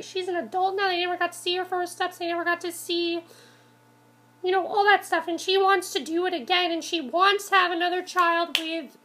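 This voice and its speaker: A woman's voice: very high-pitched, a bit bright. A woman casually reviewing a TV episode, congested from a cold, rambling with many ums and restarts.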